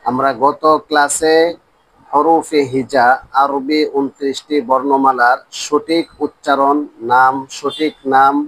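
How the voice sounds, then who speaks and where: A man teaching a Quran pronunciation class, slowly repeating letter sounds for his students. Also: medium pitch, level tone, a bit bright, no echo, poor audio. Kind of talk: religious lesson on Arabic letter pronunciation.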